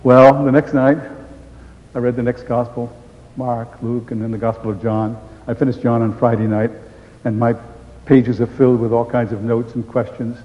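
An older man giving an animated storytelling testimony, acting out the voices he quotes. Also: medium pitch, normal speed. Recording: dull sound with long hall reverb.

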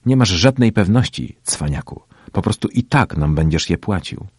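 A man reads out a big, menacing teenage gang leader in an audiobook, his voice raised and pushed louder than the narration. The tone is mocking and threatening, with a husky edge. It is recorded dry, close to the mic. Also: low voice, lively intonation, moderate pace, dry recording, voice pushed up. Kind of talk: audiobook character voice.

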